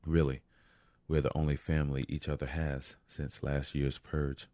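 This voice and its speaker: A man's voice: extremely low pitch, little pitch movement, normal speed, warm tone, no echo. An actor playing a weary, wry, street-smart man surviving a deadly night, muttering and sighing through an audio drama monologue. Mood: wry, confiding.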